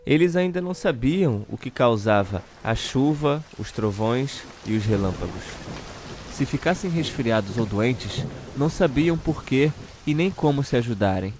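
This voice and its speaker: A man with a Brazilian accent playing a children's TV uncle who reads a storybook slowly and deliberately to children. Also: mid-range voice, lively intonation, darkish tone, slight background noise, close to an everyday voice. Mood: storytelling. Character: children's TV show host uncle reading a satirical storybook. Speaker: storyteller host of a kids' show.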